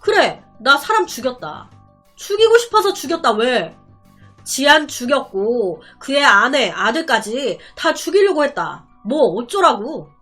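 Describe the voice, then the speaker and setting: A woman's voice: a little high, very animated, slow, a bit bright, soft background music, full character voice. A woman voicing a brazen male killer. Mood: defiant. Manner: defiant, matter-of-fact confession.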